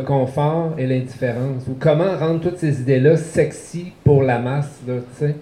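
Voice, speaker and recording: At a fairly slow pace, a man talks with a fairly high pitch and ordinary pitch variation over noticeable background noise. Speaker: moderator relaying audience questions. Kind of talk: public Q&A.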